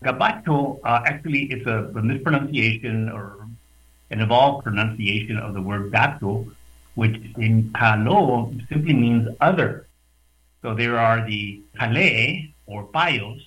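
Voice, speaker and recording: A man from the West Texas border region, a radio guest speaking over a video call, explaining in a lively, thoughtful way with hesitant restarts. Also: mid-range voice, measured pace, rough recording. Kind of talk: conversational explanation.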